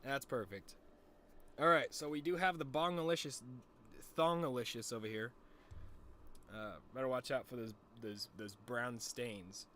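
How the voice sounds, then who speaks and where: A young male streamer with a lisp and a stutter rambles to his viewers in a loose, jokey stoner vlog full of swearing. His mid-range voice is a bit bright and measured in pace, with a little hiss or hum on the recording.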